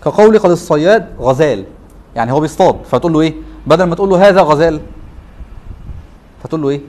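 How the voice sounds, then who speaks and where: His voice is on the high side with a darkish tone, and he talks very fast. He's a teacher lecturing a classroom in an Egyptian Arabic accent, constantly asking rhetorical questions to nudge his students.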